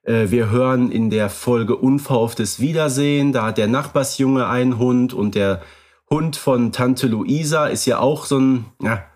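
On a podcast, a male co-host speaks at a slightly unhurried pace in a mid-range voice. He discusses radio plays with wry, relaxed humor, lively anecdotes, and the occasional filler.

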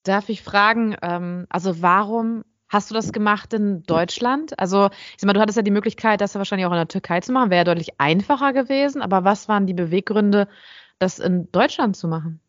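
A woman's voice: mid-range voice, fairly quick, dry recording, dull audio. Curious woman asking follow-ups. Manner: curious, asks follow-up questions. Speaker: podcast co-host. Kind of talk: casual interview.

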